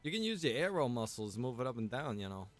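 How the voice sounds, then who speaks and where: A man chatting casually in game roleplay, repeating himself and pausing as he talks. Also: medium pitch, sing-song. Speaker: roleplay game streamer and server developer.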